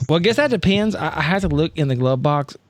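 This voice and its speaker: A man's voice: fairly high pitch, lively intonation, dry recording, close to an everyday voice. A man playing a sheepish, hapless but determined schemer in a tabletop roleplay, rambling and interrupting himself. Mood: sheepish, bargaining. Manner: halting, rambling, self-interrupting.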